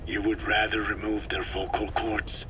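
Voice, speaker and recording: A man playing an ancient, grave tribal scientist in a video game cassette tape, speaking slowly in a hushed, whispery, formal way. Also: fairly low pitch, level tone. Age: older. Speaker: scientist giving instructions. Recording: cassette tape with audible hiss.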